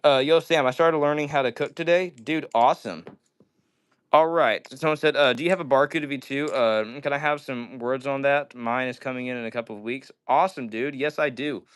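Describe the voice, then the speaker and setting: A man's voice: medium pitch, brisk, a bit bright, clear, resonant tone. A man hosting a live stream, chatting casually and reading out viewer messages in slangy, upbeat talk. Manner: upbeat slangy greetings, says "dude" and "yo" often.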